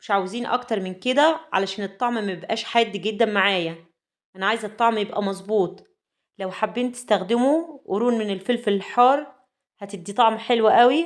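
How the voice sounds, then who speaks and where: The woman's voice is fairly high, with ordinary pitch variation, at a moderate pace. Her recording is very clean and the background silent. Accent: Egyptian. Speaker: cooking channel host. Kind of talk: cooking tutorial.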